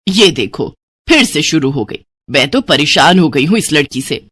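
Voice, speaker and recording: A woman's voice: deep voice, very animated, normal speed, fairly bright tone, husky, pitched below the performer's own voice, exaggerated voice. A woman playing a scolding middle-aged mother. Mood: exasperated. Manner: scolding, exasperated. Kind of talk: storybook voice acting.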